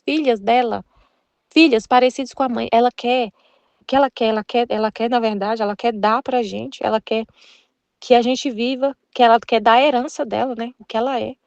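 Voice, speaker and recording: A woman's voice: fairly high pitch, darkish tone, no room sound. A woman with a Brazilian Portuguese accent leading a Catholic study in an earnest, conversational, repetitive way. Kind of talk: casual religious teaching.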